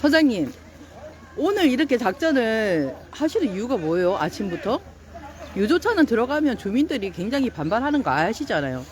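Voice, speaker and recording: A woman's voice: on the high side, big pitch swings, a little fast. A woman at an outdoor protest who scolds the police, insistent and repeating her demands. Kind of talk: heated street confrontation.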